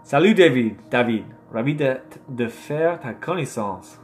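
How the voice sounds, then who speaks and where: Chill guy going through flashcards real slow, joking at himself, faint music behind. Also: medium pitch, expressive. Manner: laid-back, laughs at own mistakes, thinks aloud. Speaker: language learner vlogger. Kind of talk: casual study session, repeating flashcards.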